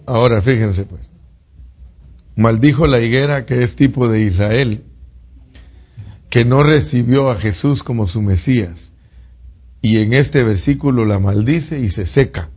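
Husky-voiced man preaching a sermon. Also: mid-range voice, a little slow, pauses often, a little mellow, muffled recording. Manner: retells stories with acted sound effects and repeats words for emphasis. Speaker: preacher teaching a Bible study. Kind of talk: sermon with storytelling.

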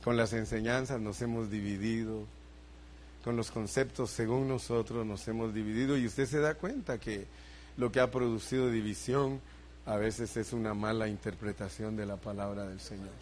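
A man's voice: fairly low pitch, steady tone, normal speed, slight background noise. Older man preaching a sermon. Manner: preaching with rising emphasis and asides to the congregation. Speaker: pastor.

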